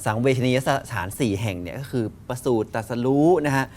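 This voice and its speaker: A man speaks quickly but calmly, laying out explanations like a patient guest expert. His voice sits at an ordinary pitch. A faint low rumble hums under the studio sound. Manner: calm, explanatory storytelling. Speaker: cultural scholar guest. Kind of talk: studio interview. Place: television studio.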